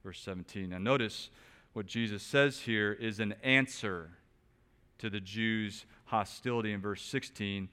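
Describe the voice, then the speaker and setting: A man preaching a sermon, asking rhetorical questions and swinging between quiet, low stretches and loud, emphatic bursts. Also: fairly even intonation, measured pace, clean tone. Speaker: pastor. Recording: long reverb of a large hall.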